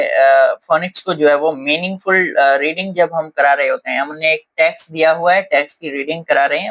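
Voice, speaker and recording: A man's voice: on the high side, a bit bright, low-quality recording. A man teaching a lesson, explaining step by step in a patient way with frequent fillers. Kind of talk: explaining lesson in Hindi-English mix.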